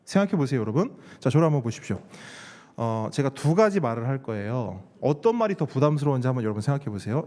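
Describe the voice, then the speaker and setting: A male pastor delivers a sermon in a fairly high, very animated voice. He poses questions to the congregation and drives key words home by repeating them. His voice rings through a large hall with long reverb. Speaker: pastor preaching at a church service.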